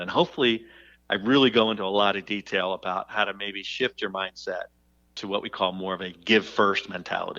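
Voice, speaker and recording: In a plain, everyday voice, a man talks at a fairly quick pace with a fairly low pitch. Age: 60s. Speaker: startup founder and author. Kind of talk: podcast interview. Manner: conversational, with frequent fillers and restarts.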